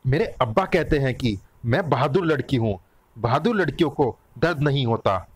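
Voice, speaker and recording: A man voicing a small, cheeky, giggly little girl with a high, childlike voice. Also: animated, normal speed, husky, no room sound. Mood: proud.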